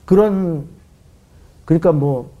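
A man's voice: a little high, slow pace, warm tone. A middle-aged man telling a story from his life as a talk show guest, acting out voices and sound effects as he goes.

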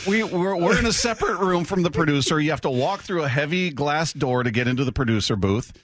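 A man's voice: on the high side, expressive, quick pace, a crowd in the background. A man hosting a sports radio show in a studio, chatting casually and telling stories. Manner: chatty, laughs often, storytelling. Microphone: studio microphone.

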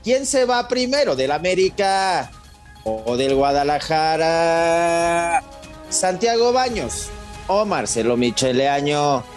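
Mexican male co-host, slangy joker, very lively pitch, faint music bed. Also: slow pace. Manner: joking, slangy, animated. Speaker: podcast co-host. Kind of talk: casual football banter.

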